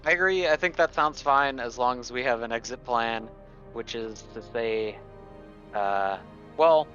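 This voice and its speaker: A man's voice: medium pitch, measured pace, a bit bright, soft background music. Dull-sounding recording of a man gaming. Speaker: tabletop game player. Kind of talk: casual tactical game chat.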